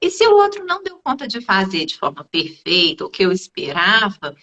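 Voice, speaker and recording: A woman's voice: medium pitch, wildly swooping pitch, a little fast, sharp tone, highs cut off. A woman, chatting reflectively on a live stream and often ending thoughts with tag questions. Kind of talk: casual conversation on a live stream.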